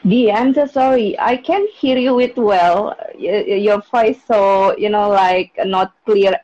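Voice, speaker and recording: Hesitant Indonesian podcast host, lo-fi. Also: female voice, mid-range voice, unhurried, mellow. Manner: hesitant, broken English with many fillers. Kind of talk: live podcast interview. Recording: dull lo-fi sound.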